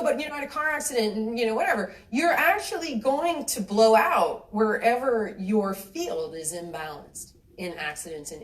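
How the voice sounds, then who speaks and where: A woman giving a live talk to an audience, chatty and animated, acting out little quoted exchanges and laughing lightly as she talks. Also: sits low. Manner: laughs lightly mid-sentence. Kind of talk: live lecture with audience questions. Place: cinema venue with an audience. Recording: roomy hall sound from a distant mic.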